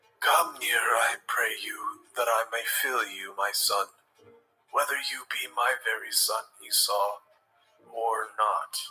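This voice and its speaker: A man talks at a fairly slow pace in a put-on character voice. Music plays in the background. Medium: audio drama. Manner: slow, solemn.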